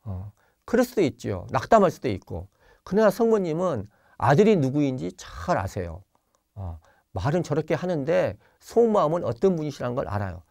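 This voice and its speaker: Jeolla-born priest giving a lively lecture. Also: male voice, fairly high pitch, vocal fry, no room sound, clean studio sound. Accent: Jeolla Korean. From Jeolla, Korea. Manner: gentle explaining tone with many pauses and fillers, acts out quoted lines. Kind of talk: online spiritual lecture. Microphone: video call.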